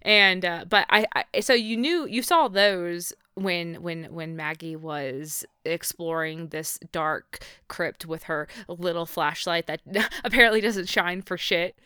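A woman's voice: on the low side, takes it slowly, hardly any pauses, sharp tone, clean tone, no room sound, studio quality. A woman co-hosting a casual podcast, chatty and laughing often, restarting her sentences as she talks. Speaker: podcast co-host. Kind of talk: casual chat.

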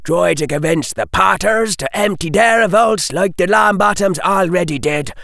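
A man's voice: fairly high pitch, creaky, dry recording, studio quality, voice pushed up, exaggerated voice. A man voicing a harsh, blunt male fighter who growls his words. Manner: growling and forceful.

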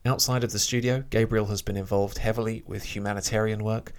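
A man with a fairly low-pitched voice talks fast in an easygoing, hesitant chat about music. At times he reads a short biography out loud.

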